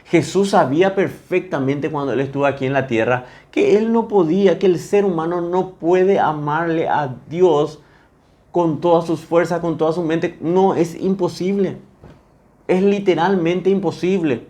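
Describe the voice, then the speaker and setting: A male pastor, preaching a sermon with feeling, swinging between loud bursts and hushed lines. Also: fairly high pitch, measured pace.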